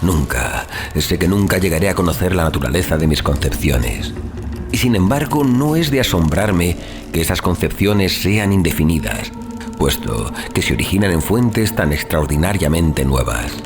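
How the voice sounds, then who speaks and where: Deep-voiced man narrating gothic horror, dramatically. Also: expressive, moderate pace. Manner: solemn, literary, theatrical delivery. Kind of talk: dramatic scripted audiobook narration of a horror tale. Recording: music under the voice. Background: music.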